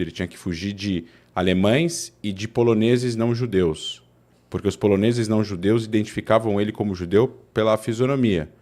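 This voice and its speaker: A man's voice: fairly low pitch, a little mellow. A Brazilian man from São Paulo, a guest political scientist, telling his story in long explanations full of restarts and self-corrections. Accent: Brazilian Portuguese, São Paulo. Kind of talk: interview conversation.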